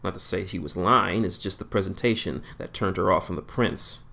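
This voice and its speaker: A man reading his own fan fiction aloud, unhurried and plain, with small slips. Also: low voice, gravelly, bright, forceful tone.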